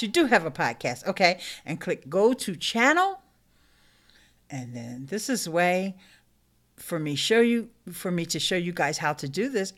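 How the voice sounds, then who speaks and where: A middle-aged woman hosting a casual live stream, chatting upbeat with her viewers and laughing often. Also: lowish voice. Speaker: YouTube live stream host. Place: small room indoors.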